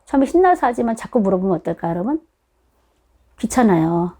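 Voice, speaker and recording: A woman giving an explanatory, conversational talk to parents as an educator, animated and often putting questions to her listeners. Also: mid-range voice, brisk. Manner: animated, acts out short quotes of children and parents.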